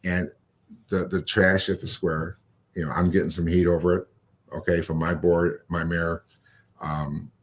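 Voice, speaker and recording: A male police chief talks in a radio interview with an extremely low, husky voice. He speaks haltingly and repeats short phrases for emphasis. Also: flat delivery.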